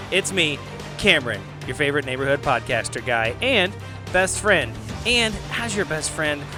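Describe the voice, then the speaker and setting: A man who hosts and plays on a podcast, talking in a chummy, jokey, casual way. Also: on the high side. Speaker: podcast host and player.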